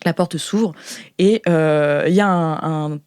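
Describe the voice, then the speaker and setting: A woman's voice: low-pitched, slow, a little mellow, clear, resonant tone, dry recording. A woman improvising narration as game master of a sci-fi tabletop roleplay, hesitant and searching for her words.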